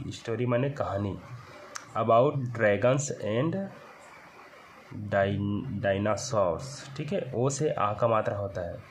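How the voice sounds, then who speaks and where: A male teacher with a Hindi accent gives a patient, step-by-step lesson, sounding out English words slowly before explaining them. His voice sits at an ordinary middle pitch. There is a faint hum of noise behind him. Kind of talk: classroom lesson explaining a text.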